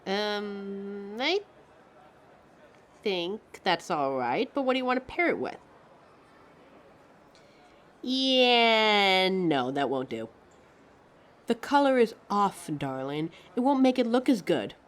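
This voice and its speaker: A woman's voice: medium pitch, very animated, slow, long pauses. A woman playing a vain, easily offended talking fashion mannequin in a scripted audio roleplay, theatrical, condescending and fussy. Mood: bossy, fussy. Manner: theatrical, condescending, fussy, calls listeners darling.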